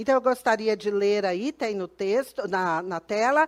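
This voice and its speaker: A woman speaks fairly slowly in an unremarkable speaking voice with lively intonation. The sound is dry and close, with no echo. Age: 60s. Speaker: conference speaker. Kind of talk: sermon.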